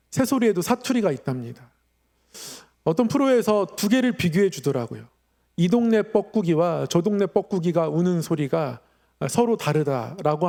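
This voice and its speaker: High-pitched, creaky-voiced male pastor preaching. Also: mellow. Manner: measured explanatory preaching with polite sentence endings. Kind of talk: Friday evening sermon.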